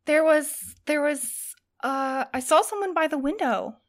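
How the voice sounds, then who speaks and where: Woman acting exhausted anxious courier, slightly high voice, earnest, determined, strained, naturalistic podcast drama. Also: animated, a little slow. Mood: shaken. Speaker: actor in a fiction podcast.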